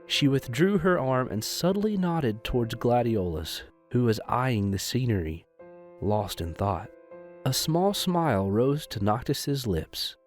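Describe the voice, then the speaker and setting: A man's voice: medium pitch, lively intonation, unhurried. A man reading scripted narration for an audio drama. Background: music.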